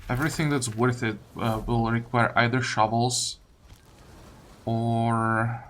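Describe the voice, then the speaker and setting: A man's voice: mid-range voice, little pitch movement, takes it slowly, a bit bright, a little hiss or hum. A man giving casual game commentary, thinking aloud through his tactics in loose fragments. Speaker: gaming video creator. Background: game music.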